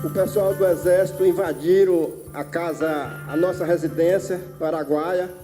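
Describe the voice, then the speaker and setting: A Brazilian man giving personal testimony as a witness, in simple halting phrases. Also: a little high, steady tone, music in the background.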